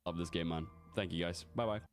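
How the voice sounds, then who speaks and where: A man's voice: sits low, fairly quick, faint music behind. A man in his twenties with a Swedish accent, speaking English as his second language, earnestly talking about his favorite game and tacking "man" and "bro" onto his sentences. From Sweden. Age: 20s. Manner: earnest, relaxed, ends phrases with "man" and "bro". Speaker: guest fan giving a clip.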